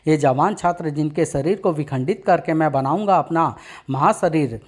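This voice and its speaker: A man's voice: fairly high pitch, normal speed, close to an everyday voice. A gloating invisible supervillain from a narrated comic story, voiced by a man. He brags about his schemes and threatens with plain menace. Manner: boastful, menacing.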